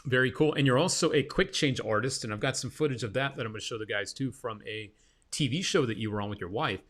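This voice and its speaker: A man's voice: medium pitch, fast talker, fairly bright tone. A man hosting a casual interview, talking in an informal, effusive and slangy way. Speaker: interviewer, show host.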